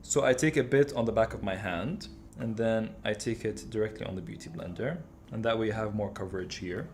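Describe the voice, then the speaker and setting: A man working as a makeup artist, talking through a makeup routine in a relaxed, chatty way and correcting himself now and then. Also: fairly low pitch, a little hiss or hum. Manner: relaxed, chatty, with quick self-corrections and light laughs.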